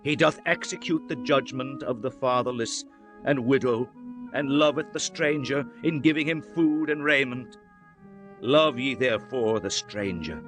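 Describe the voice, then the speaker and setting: Solemn male prophet, actor-voiced, declamatory scripture audiobook delivery, wide-ranging intonation, clear musical bed underneath. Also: medium pitch, lightly acted. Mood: fervent exhortation. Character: solemn male prophet exhorting his people. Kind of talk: dramatized scripture audiobook reading.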